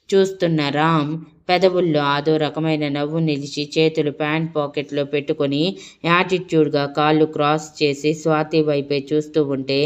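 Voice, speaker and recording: Woman storyteller, deep low voice, steady expressive narration, romance story. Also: clean tone. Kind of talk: reading a romance story aloud.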